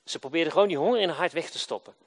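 A man preaching a sermon, swinging between loud emphatic lines and quiet low endings, and asking his listeners questions he answers himself. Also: rapid-fire.

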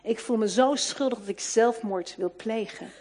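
A woman voicing a guilt-ridden woman in despair, pleading, broken, rather high voice. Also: moderate pace, darkish tone, natural voice.

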